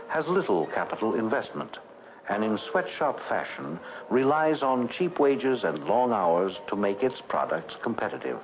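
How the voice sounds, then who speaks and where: A man narrating a scripted 1960s educational documentary in a measured, formal delivery. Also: medium pitch. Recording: dull vintage 1960s film soundtrack. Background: background music.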